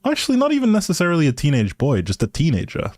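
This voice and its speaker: A man hosts a casual gaming livestream while playing a life simulation game, chatting politely and appreciatively with viewers. His slightly high, darkish voice swoops wildly in pitch and moves very fast, with music behind it.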